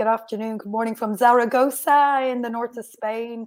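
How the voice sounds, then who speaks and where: A woman speaks at a high pitch in an Irish accent. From west of Ireland. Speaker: lecturer, remote work specialist. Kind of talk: panel discussion.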